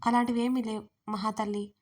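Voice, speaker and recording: A woman's voice: fairly high pitch, little pitch movement, moderate pace, darkish tone, close to an everyday voice. Woman doing a pleading young brother-in-law. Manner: begging, whiny.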